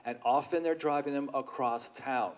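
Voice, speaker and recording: A man running for mayor who gives a deliberate, skeptical debate answer with hesitant restarts. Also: mid-range voice. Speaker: mayoral candidate.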